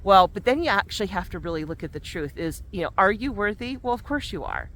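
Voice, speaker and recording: A woman's voice: mid-range voice, expressive, fast, fairly bright tone. A woman talking casually while walking outdoors in cold, windy weather, her lips numb from the cold, chatty and reflective about self-help ideas, often restarting her sentences. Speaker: vlogger.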